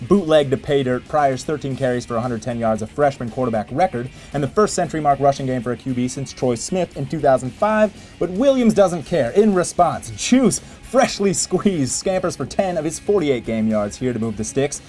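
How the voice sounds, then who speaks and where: A man reading a scripted sports highlights voice-over in a playful, wry manner with theatrical emphasis. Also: expressive, moderate pace, few pauses, a little mellow. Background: music bed.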